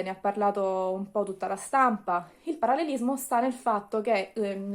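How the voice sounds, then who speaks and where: A woman hosting a video, talking to viewers and reading verse aloud. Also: medium pitch. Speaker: video host and reader. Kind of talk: chatty vlog with expressive dialect verse reading.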